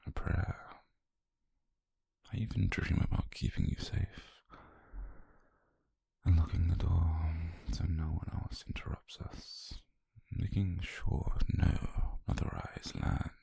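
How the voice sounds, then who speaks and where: A British man playing a calm, possessive, obsessed doctor in an intimate ASMR roleplay, speaking slowly and haltingly in a husky, breathy near-whisper. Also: sits low, dry recording, exaggerated voice. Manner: slow, halting, intimate delivery.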